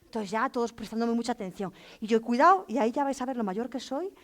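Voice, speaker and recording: A middle-aged woman giving an animated, anecdotal talk as a storyteller, acting out voices as she tells it. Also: fairly high pitch, quick pace. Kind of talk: lively anecdotal lecture. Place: lecture hall.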